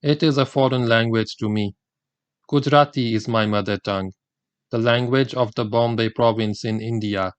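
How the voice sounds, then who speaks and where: A man narrating an audiobook in a measured, even reading voice of middling pitch. He recites scripture lines quickly. The sound is dry and close, with no room around it. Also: clean tone, no room sound. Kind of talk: scripted narration of a religious book.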